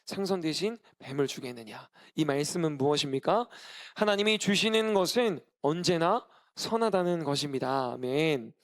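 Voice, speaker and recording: A man's voice: on the high side, expressive, normal speed. A male pastor in his thirties giving a sermon, earnest and emphatic, repeating key phrases. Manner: earnest preaching with emphatic repetition.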